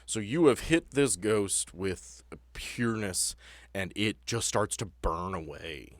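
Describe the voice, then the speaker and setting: A man's voice: on the low side, lively intonation, slow pace, no echo. A man working as game master, narrating a tabletop game in a conversational, descriptive way with plenty of explanation.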